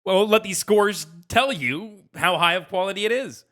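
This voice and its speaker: A man's voice: high-pitched, animated, moderate pace, fairly bright tone. A man speaking casually as a podcast co-host, presenting a quiz game to his friends.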